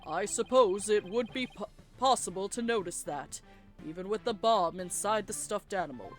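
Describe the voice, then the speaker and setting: A woman's voice: mid-range voice, moderate pace, soft background music, lightly acted. A woman voicing a skeptical, dry-witted male defense lawyer in a courtroom game, questioning and wry. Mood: probing.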